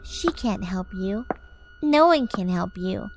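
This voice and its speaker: A woman's voice: medium pitch, lively intonation, takes it slowly, over music. A woman playing a menacing, taunting child possessed by a demon in an audio drama. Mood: cold taunting.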